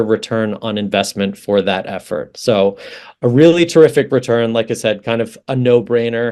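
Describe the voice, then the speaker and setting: A man with an unremarkable speaking voice, medium pitch and lively intonation. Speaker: marketing agency owner. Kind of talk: webinar presentation.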